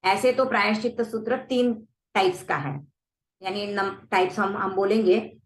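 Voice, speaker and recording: A woman teaching a prayer recitation, explaining it and then saying it slowly word by word so listeners can repeat. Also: mid-range voice, fairly even intonation, echoey room. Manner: slow, deliberate word-by-word recitation with pauses for repeating.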